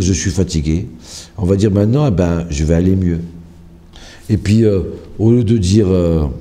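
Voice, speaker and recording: A rabbi with a very low, dark, mellow voice preaches an earnest sermon. He builds his urging through repeated phrases, rising louder on key lines, then settles into a soft, quiet blessing. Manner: earnest, repetitive exhortation that swells louder and higher on key phrases.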